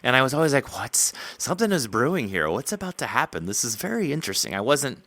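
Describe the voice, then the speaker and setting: A man's voice: medium pitch, sing-song, fast, fairly bright tone, dry recording. A man hosting a casual interview with an author, talking in an enthusiastic, complimentary way. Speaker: podcast host interviewing an author.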